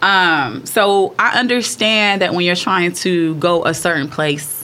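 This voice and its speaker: A woman, chatting casually on a podcast with lively, slangy, laughing storytelling. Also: on the low side, unhurried, slight background noise. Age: 30s. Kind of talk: casual group chat.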